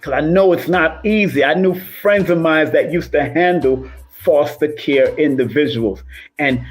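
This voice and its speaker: A man's voice: a little high, a little slow, soft background music. A man talking casually and motivationally as a numerologist livestreaming, emphatic and repetitive, rolling his R's. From Cuban and Jamaican heritage. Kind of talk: casual motivational monologue to live viewers.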